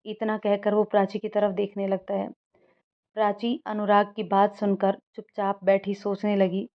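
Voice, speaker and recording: A woman narrating a story in a steady, gentle scripted storytelling style. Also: medium pitch, moderate pace. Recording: dull lo-fi recording.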